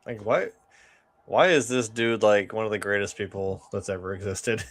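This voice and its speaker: A man's voice: fairly low pitch, moderate pace. A man in a casual film chat, co-hosting with laid-back, slangy reactions and asides.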